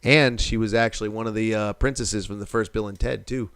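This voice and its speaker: A man's voice: on the low side, steady tone, brisk, a bit bright, smooth, dry recording, studio quality. Rambling casual male stream host. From New England. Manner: rambling, swears casually, reads viewer comments aloud. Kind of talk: casual live stream chat.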